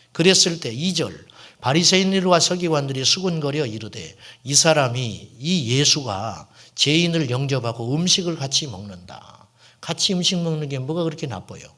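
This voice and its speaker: A middle-aged male pastor preaching a sermon to his congregation, asking questions and answering them himself, and sometimes dropping to a hushed whisper for emphasis. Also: a little high. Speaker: senior pastor.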